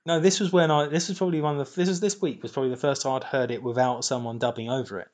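A man's voice: mid-range voice, steady tone, very fast, darkish tone. A man co-hosting a casual football podcast, often stumbling and restarting as he talks. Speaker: podcast co-host.

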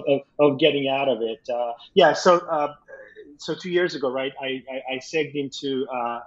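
Halting middle-aged man, slightly dull recording. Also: medium pitch. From Italy. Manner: halting, repeats words, often tags "right?". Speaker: interview guest, art collector and entrepreneur. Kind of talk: conversational interview answers.

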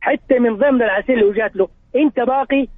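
A man's voice: very high-pitched, rapid-fire, dry recording. A man calling in to a radio show, heard over a phone line, talking in an emphatic, insistent way. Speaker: caller. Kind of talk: radio call-in.

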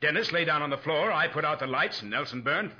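Curt, indignant clubman in a radio play. Rapid, slightly high, forceful, dull vintage sound. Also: animated. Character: indignant, curt gentleman club member. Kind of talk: 1940s radio drama acting. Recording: dull old 1940s radio recording.

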